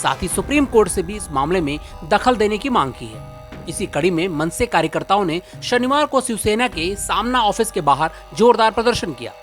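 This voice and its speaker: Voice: medium pitch, expressive, fairly quick. An Indian news presenter reading a scripted explainer narration. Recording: music bed under the voice. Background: background music.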